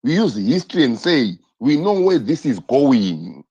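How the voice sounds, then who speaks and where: This man hosts a political live stream in dull lo-fi audio, his mid-range voice swinging widely in pitch at a measured pace. Slightly mellow and husky, he talks with passion, circles back to the same points, and keeps throwing out rhetorical questions.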